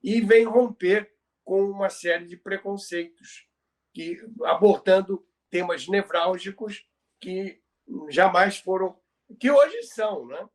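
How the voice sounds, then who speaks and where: A man with a Brazilian accent co-hosting a conversational podcast, explaining history emphatically and repeating phrases for emphasis. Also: sits high. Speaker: podcast co-host. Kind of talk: conversational radio history commentary.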